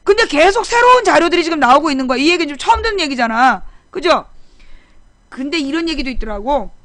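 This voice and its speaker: A woman's voice: sits high, very animated, fast, fairly bright tone, no echo. A woman hosting a casual political live-stream, talking bluntly and sarcastically as she scolds commenters. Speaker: political talk show streamer.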